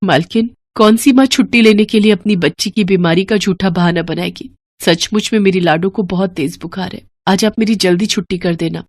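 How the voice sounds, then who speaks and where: A woman performs a humble housemaid from a moral tale. She sounds like a worried, poor mother, meek and imploring, with a middling female pitch. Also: fairly quick, darkish tone, no echo, studio quality, natural voice. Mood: pleading. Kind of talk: dramatised Hindi bedtime story.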